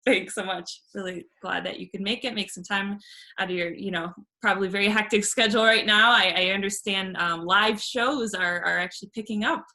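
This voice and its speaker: A woman's voice: medium pitch, steady tone, brisk, sharp tone. A woman hosting an interview, friendly and hesitant, with restarts as she phrases her questions. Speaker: interview host. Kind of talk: casual interview.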